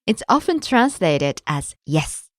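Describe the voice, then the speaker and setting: Lively-voiced woman co-hosting a language lesson. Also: on the low side, slow, no room sound, studio quality. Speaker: native-speaker co-host of a language lesson. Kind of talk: scripted lesson dialogue.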